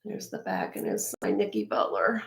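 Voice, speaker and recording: A woman with a slightly raspy voice hosting a live jewelry sale, chatting casually and admiringly as she shows each piece, with frequent fillers and restarts. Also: rumbling low, very animated, normal speed. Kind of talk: casual show-and-tell product presentation.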